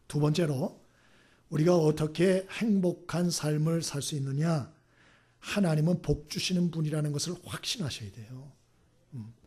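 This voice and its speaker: A male pastor giving a Sunday sermon. He asks the congregation questions and then answers them himself in soft, whispered repeats. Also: fairly high pitch, husky.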